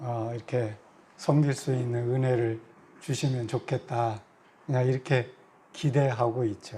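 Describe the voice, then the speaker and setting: A man's somewhat breathy, dark and mellow voice at a medium pitch, broken by long, frequent pauses. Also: fairly even intonation. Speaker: visiting lay preacher. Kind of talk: sermon. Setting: church. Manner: halting, many filler sounds.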